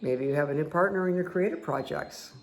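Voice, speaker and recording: A woman with a croaky voice giving a casual, chatty tarot card reading that speaks directly to the listener. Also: deep voice, fairly quick, low-quality recording. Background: background music.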